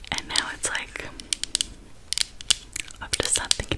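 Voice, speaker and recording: Whispering at a fairly quick pace, a female speaker talks. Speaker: ASMR creator. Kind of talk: ASMR whisper tapping video. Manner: whispered, soft-spoken. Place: home room. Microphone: phone near.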